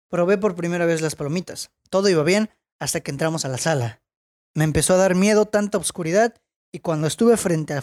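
A podcast host with a Mexican Spanish accent reads listener stories in a relaxed, chatty way. The host keeps wandering off on tangents and slides easily into heated, opinionated rants. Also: mid-range voice. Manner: chatty, goes off on tangents, gets worked up and ranting. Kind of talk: casual chat.

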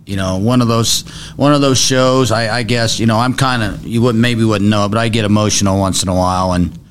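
A man's voice: on the low side, fairly even intonation, a little fast, clear, resonant tone. Easygoing male co-host. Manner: easygoing, matter-of-fact, many fillers. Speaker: co-host, school district representative. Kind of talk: casual local radio chat.

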